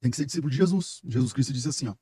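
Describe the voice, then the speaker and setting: Middle-aged brazilian pastor, talks super fast and emphatic, husky voice, dry close sound. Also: male voice, mid-range voice, warm tone, dry recording. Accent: Brazilian Portuguese. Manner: emphatic, storytelling, preacher-like. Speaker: guest pastor. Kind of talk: casual podcast conversation.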